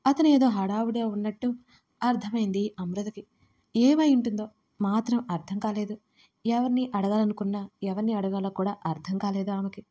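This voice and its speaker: A woman tells a serialized romance story in a steady, scripted narration. Her voice is mellow and soft-edged, sitting at an ordinary middle pitch for a woman. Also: normal speed. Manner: reads every part herself, louder and higher in the characters' lines.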